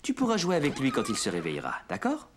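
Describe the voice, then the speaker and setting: Casting: patient father in animation, reassuring, highly expressive pitch movement. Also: quick pace. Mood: patient, gentle. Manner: reassuring, gently explaining. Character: patient, kindly father of a small boy. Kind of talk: French children's cartoon dialogue. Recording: music underneath.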